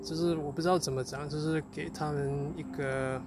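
Casual male co-host, foreign learner with accented Mandarin, halting word-searching delivery, fairly light pitch, prominent music underneath. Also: fairly even intonation. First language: not Mandarin, a foreign learner of it. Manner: halting, searches for words, repeats phrases. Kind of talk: casual unscripted chat.

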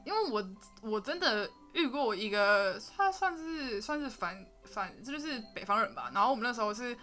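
A woman's voice: on the high side, lively intonation, normal speed, pushed and bright, soft background music. A young woman with a Taiwanese Mandarin accent hosting a casual interview, chatty and giggly with hesitant restarts. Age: young adult. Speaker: podcast host.

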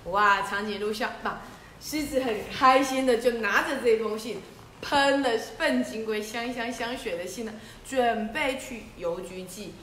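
Brief: high-voiced woman storyteller, playful and animated, in a roomy space. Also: measured pace, slight background noise. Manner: animated, playful, addresses children. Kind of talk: children's story narration.

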